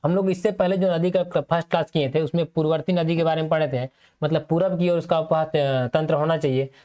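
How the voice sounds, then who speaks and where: A man's voice: fairly high pitch, steady tone, brisk, warm tone. A male teacher giving an exam-prep lecture, asking and answering his own questions and repeating key points so students remember them.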